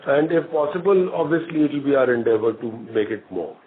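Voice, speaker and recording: An Indian man, a company executive, answering questions on an earnings call in a measured, formal, hesitant way with frequent pauses. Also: fairly high pitch, animated, husky. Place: conference call. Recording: muffled narrow phone line with some noise.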